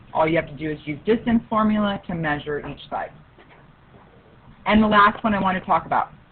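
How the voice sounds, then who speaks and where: A woman speaks fairly quickly at a medium pitch with ordinary pitch variation and long, frequent pauses, over noticeable background noise. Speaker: math teacher. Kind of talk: classroom lesson. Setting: classroom with students.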